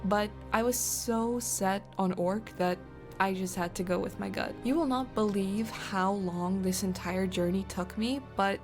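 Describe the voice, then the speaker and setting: A woman giving scripted documentary-style narration of her own video, with dry, deadpan humor and a slow, deliberate delivery. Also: medium pitch, soft background music.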